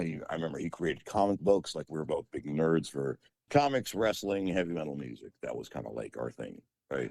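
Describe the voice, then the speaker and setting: A man's very deep, low voice, dark and mellow with vocal fry, moves at a fairly quick pace with lively intonation. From Sri Lanka, raised in US from childhood. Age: 40s. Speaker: voice actor and audio producer. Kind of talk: interview conversation. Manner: casual, animated.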